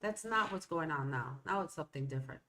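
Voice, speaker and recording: A woman's voice: low-pitched, expressive, fast talker, pushed and bright. A middle-aged woman whose first language is Spanish, talking in a rambling, casual way as a solo podcast host, often checking in with "okay?" and "right?". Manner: rambling, conversational, self-interrupting with "okay?" and "right?". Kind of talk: solo motivational talk.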